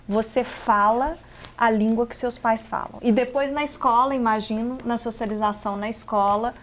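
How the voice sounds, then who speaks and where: A woman in her forties, a theater project coordinator, speaking reflectively and at a measured pace as a guest in a TV studio on a lapel mic. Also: fairly high pitch, steady tone, slight background noise.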